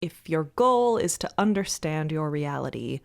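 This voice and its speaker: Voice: mid-range voice, big pitch swings, moderate pace, creaky. A podcast creator in a casual roundtable discussion, speaking thoughtfully and articulately with a wry touch.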